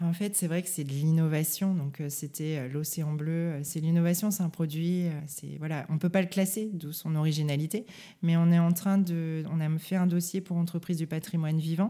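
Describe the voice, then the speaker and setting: Her tone is dark and mellow, at a fairly low pitch for a woman. She keeps a moderate pace with hardly any pauses. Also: fairly even intonation. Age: 40s. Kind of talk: interview.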